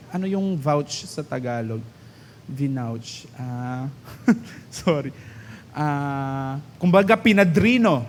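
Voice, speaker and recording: Filipino male pastor, high voice, slow deliberate delivery, long church-hall reverb. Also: darkish tone. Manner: mixes English and Tagalog, drawn-out emphatic phrases. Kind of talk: sermon.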